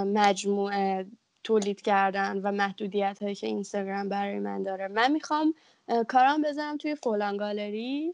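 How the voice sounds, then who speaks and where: A woman speaks at a fairly quick pace against a quiet background. Her pitch is medium, with ordinary pitch variation. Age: 20s. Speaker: photographer and art student. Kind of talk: casual chat.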